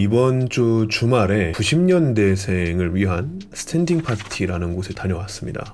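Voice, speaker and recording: A man talks at a fairly slow pace in a fairly low pitch. He hardly pauses at all. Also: lively intonation. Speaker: VTuber radio streamer. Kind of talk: casual radio-style talk.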